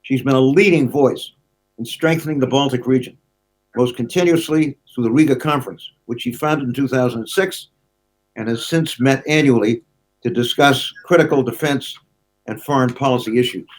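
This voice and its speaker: An older American man giving formal award remarks by video call, measured and unhurried with frequent pauses. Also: mid-range voice, low-quality recording. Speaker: award presenter.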